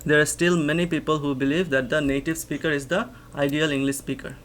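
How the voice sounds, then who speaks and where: A young Bangladeshi man, an English teacher and channel host whose native language is Bangla, reads a research paper aloud and explains it line by line in a Bangladeshi accent. His slightly high, fairly bright voice is brisk with fairly even intonation. He thinks out loud, restarting often and tossing in rhetorical "right?"s.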